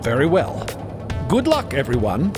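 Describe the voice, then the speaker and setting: A man's voice: mid-range voice, wildly swooping pitch, unhurried, in a large hall, voice pushed up. A man voicing an eager, grandly theatrical and chirpy male character in an audio drama. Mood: eager, formal. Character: excitable, chirpy, theatrical biological man who loves counting down. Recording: music behind.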